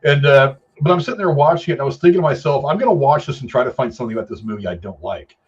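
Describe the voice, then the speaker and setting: A man with a husky, slightly rough voice hosts a casual film review chat. He talks in an emphatic, gushing way, repeating words for weight. The sound is a little dull and lo-fi. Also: medium pitch, expressive, very fast. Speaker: film review show host.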